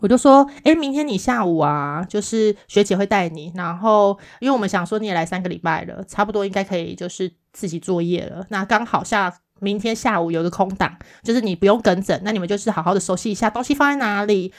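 A woman, co-hosting a casual chat podcast and telling a work story in a lively way, acting out the other people's replies. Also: medium pitch, quick pace, few pauses. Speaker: podcast co-host.

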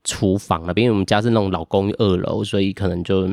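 A podcast co-host with a Taiwanese Mandarin accent and a notably low voice. The talk runs fast and animated, recorded close and dry. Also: no room sound. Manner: animated, flustered retelling. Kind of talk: casual chat.

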